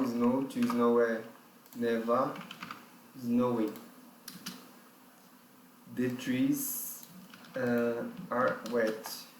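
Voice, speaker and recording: Male teacher, mid pitch, patient step-by-step explainer, roomy recording with faint typing behind. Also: a little hiss or hum. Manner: explains step by step, with frequent fillers and checks like "certo?". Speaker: English teacher. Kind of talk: recorded online lesson.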